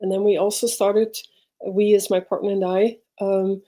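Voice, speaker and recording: A middle-aged woman from Switzerland, a podcast guest telling her life story in a reflective, halting way as she searches for words. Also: mid-range voice, flat delivery, dark tone. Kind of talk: personal storytelling in an interview.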